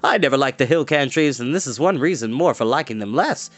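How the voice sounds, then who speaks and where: A man's voice: mid-range voice, animated, a little fast, dry recording, lightly acted. A man voicing a fretful bard in a storybook, wordy, theatrical and nervous in manner. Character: fretful, florid male bard with a harp.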